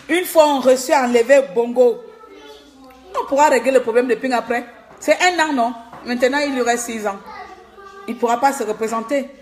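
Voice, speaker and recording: A woman from Gabon delivering a fiery political monologue, scolding and repeating herself, laughing at times and dropping to a low confiding tone. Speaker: political activist vlogger.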